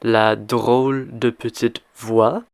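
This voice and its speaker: A man's voice: medium pitch, flat delivery, slow pace, creaky, clear, resonant tone, no echo, clean studio sound. A man teaching French, reading a story aloud and quizzing the listener with simple, repeated questions. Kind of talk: slow question-and-answer reading lesson.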